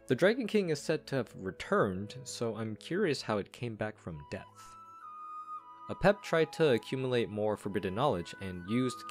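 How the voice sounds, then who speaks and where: A man giving scripted video commentary as he reviews and analyses a game's story. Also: lowish voice. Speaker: game reviewer and lore commentator.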